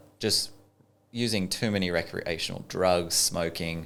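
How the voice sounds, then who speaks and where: A man is speaking. He has an Australian accent. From Australia, Orange NSW. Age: 30s. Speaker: business owner. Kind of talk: podcast interview, personal story. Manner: casual, filler-heavy.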